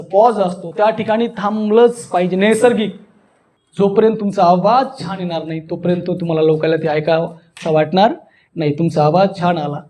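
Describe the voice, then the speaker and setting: High-pitched man teaching with theatrical flair. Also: mellow. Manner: theatrical, demonstrative, questions the students. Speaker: voice modulation trainer, anchor and voice artist. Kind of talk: spoken workshop lesson with acted demonstrations.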